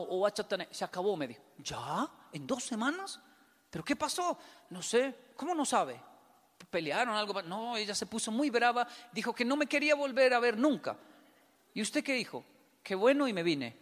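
Colombian man, lively storyteller acting out dialogues, high voice, long hall reverb. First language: Spanish. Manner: animated storytelling, acts out both sides of dialogues. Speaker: speaker. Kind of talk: humorous talk to an audience.

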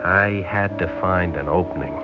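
An actor playing a glib young engineer. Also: male voice, low-pitched, moderate pace, over loud music, close to an everyday voice. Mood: brooding. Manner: wisecracking, smooth-talking. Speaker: lead character and narrator. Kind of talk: 1960s radio drama acting. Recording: dull lo-fi old radio recording.

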